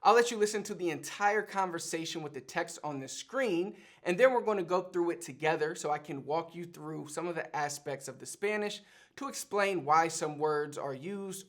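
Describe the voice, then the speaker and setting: A man's voice: on the high side, moderate pace. Upbeat Puerto Rican man teaching. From Puerto Rico. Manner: energetic, chatty, explanatory. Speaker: Spanish teacher and channel host. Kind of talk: casual teaching monologue to camera.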